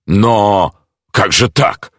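A man's voice: mid-range voice, very animated, moderate pace, a bit bright, no room sound, clean studio sound, voice pushed up. A man voicing a panicky middle-aged jeweler who pleads and wails near tears. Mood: distraught.

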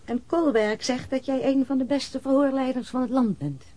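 An actress playing a nagging, thrifty middle-aged wife, fretful and reproachful, in an old radio play. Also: female voice, high-pitched, fairly even intonation, moderate pace, mellow, a little hiss or hum, close to an everyday voice. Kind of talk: naturalistic radio play acting.

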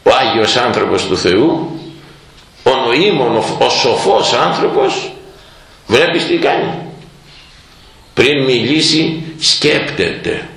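A man's voice: medium pitch, long pauses. Preacher man in an echoey room. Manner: lively storytelling, acting out quoted voices. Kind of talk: sermon.

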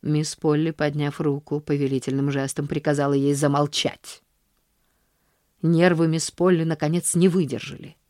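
A woman narrating an audiobook in a measured, even storytelling manner. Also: sits low, no room sound, clean studio sound.

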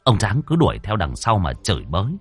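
A man narrating a comic folk-style tale in a lively way. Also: on the low side, fairly quick, breathy edge, no echo, faint music behind. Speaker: storyteller.

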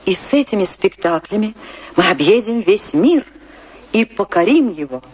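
A woman's voice: mid-range voice, sing-song, moderate pace, a little mellow, husky. An actress playing a passionate, lovestruck female dancer remembering her poet husband in a theatrical radio-play monologue. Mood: tender, elated. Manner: theatrical, lingering, rapturous delivery. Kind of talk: dramatic first-person monologue in a radio play.

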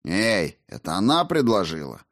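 A man's voice: low-pitched, moderate pace, exaggerated voice. A man voicing a cocky, defiant schemer who brushes off accusations, in a storybook reading. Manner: indignant, then calm and dismissive.

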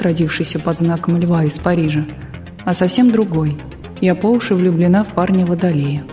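A woman narrating a literary audiobook in a calm, measured reading style. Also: on the low side. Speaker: audiobook reader.

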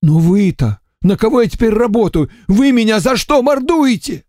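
A man's voice: sits high, very animated, brisk, a little mellow, no echo, studio quality, voice pushed up. A man voicing a wily male demon emissary who pleads and whines in an audiobook. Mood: whining. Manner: pleading, whiny, wheedling.

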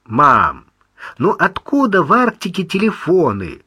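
A young son, read by a male narrator, reassures his mother on the phone with gentle irony. His voice is bright and unhurried. The recording is dry and close. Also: high voice, huge pitch swings, slightly rough, no room sound, voice pushed up, heavily acted. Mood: ironic, soothing. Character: young man, wry, affectionate son.

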